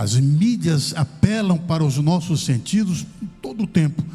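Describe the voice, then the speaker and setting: Speaking in a Brazilian accent, a man uses lively intonation at a fairly slow pace. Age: 70s. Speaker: pastor. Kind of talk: sermon.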